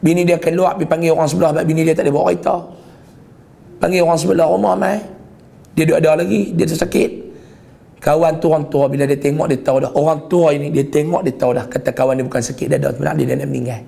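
A man, preaching a religious lecture and telling a personal story, dropping his voice low when quoting others. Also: fairly even intonation, fast, gravelly. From Malaysia. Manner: intimate storytelling, quoting dialogue with softer lowered voice.

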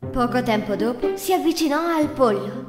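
A woman's voice: high-pitched, expressive, moderate pace, roomy sound, big-room sound, over music. A woman narrating a children's fairy tale in a scripted storybook style.

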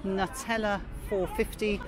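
A woman's voice: medium pitch, steady tone, unhurried, crowd noise. A woman narrating a walking tour of a city park in a chatty, informal way, recorded on a camera mic while walking outdoors. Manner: chatty, informal, reads out prices and history. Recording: outdoor street noise with traffic.

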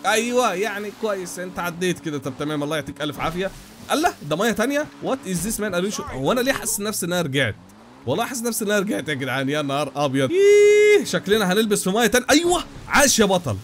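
A young man with an Egyptian Arabic accent giving rapid, animated gameplay commentary with frequent exclamations. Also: sits high, a little hiss or hum. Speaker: gaming YouTuber.

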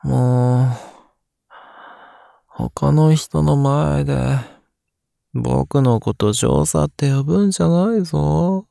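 Man acting as a drowsy, gravelly young man. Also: fairly high pitch, slow pace, long pauses, mellow, no echo, clean studio sound, heavily acted. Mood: drowsy, grumbling. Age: young adult. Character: sleepy, grumpy but gentle young man living on the moon. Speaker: voice actor. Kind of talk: Japanese audio drama acting.

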